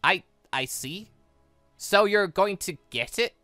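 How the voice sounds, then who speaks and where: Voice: medium pitch, animated, slow, bright, forceful tone, dry recording, soft background music, pitched above the performer's own voice. A let's play host reads a young henchwoman from a visual novel. She is eager to serve and speaks politely, with earnest, hesitant deference. The sound is dry and close. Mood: earnest, deferential. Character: deferential, eager young female henchwoman devoted to her mistress.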